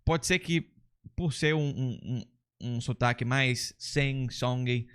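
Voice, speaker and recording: A man's voice: medium pitch, slow, a bit bright, smooth. A man from Brazil with a Brazilian Portuguese accent hosting a casual lesson, explaining things step by step in a chatty, enthusiastic way. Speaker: English teacher and channel host.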